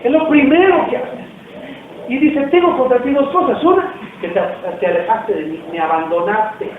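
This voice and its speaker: A man's voice: extremely high pitch, lively intonation, moderate pace. A man preaching a sermon as pastor, talking casually and asking the congregation questions. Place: church hall. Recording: distant, echoey, tinny, faint noise.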